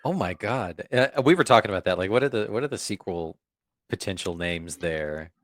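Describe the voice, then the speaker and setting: A man co-hosting a casual movie podcast, animated and playful, often dropping into silly voices and sound effects. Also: sits low, brisk, no room sound, clean studio sound. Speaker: podcast co-host.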